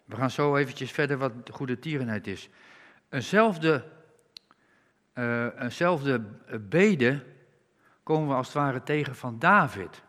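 A man preaching a sermon, reading scripture slowly and with emphasis and rising on key words. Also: medium pitch, lively intonation, a bit bright. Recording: reverberant hall.

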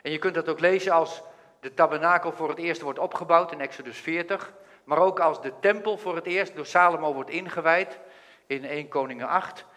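A man preaching, reading a Bible text and explaining it in an earnest, thoughtful way. His voice is bright and a little high for a man. A long reverb hangs after each phrase. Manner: earnest, thoughtful, pauses and restarts.

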